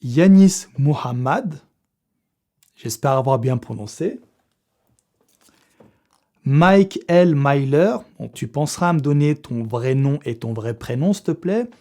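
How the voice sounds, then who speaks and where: Young male vlogger, mellow tone, casual, slangy delivery with swearing. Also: mid-range voice, animated, takes it slowly, pauses often. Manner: slangy, swearing, chatty, laughs often. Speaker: fitness youtuber running a giveaway draw. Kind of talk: casual vlog talk to camera.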